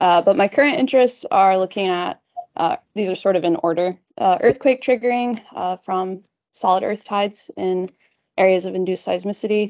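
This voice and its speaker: At a moderate pace and medium pitch, a woman with an American accent has an unremarkable speaking voice. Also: ordinary pitch variation. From US South, North Carolina. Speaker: seismologist. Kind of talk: scientific talk. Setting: seminar room with video call attendees.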